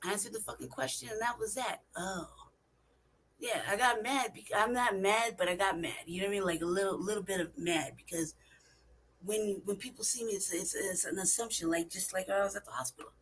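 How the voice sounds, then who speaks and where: This California vlogger speaks fairly quickly in a mid-range, slightly bright voice, cursing often and emphasizing her points with rhetorical questions. The recording is low quality, with slight background noise.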